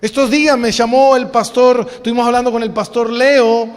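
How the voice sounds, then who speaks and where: A man's voice: extremely high pitch, flat delivery, normal speed, big-room sound. A man with an Argentine accent, a pastor preaching a sermon, emphatic and full of rhetorical questions. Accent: Argentine Spanish. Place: church hall.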